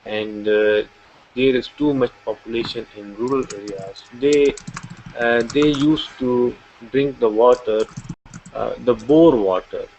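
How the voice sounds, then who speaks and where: A man from Pakistan talking very slowly and hesitantly, with many pauses and fillers. His voice comes through a muffled call line with a faint hiss underneath. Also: mid-range voice, darkish tone. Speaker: student. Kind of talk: halting reading aloud in class.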